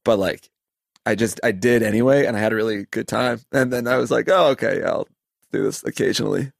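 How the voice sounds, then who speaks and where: A man's voice: on the low side, fairly quick, vocal fry, no room sound. Laid-back man with a dry close sound. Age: late 20s. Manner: laid-back, swears freely, laughs often. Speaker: podcast co-host. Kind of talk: casual chat.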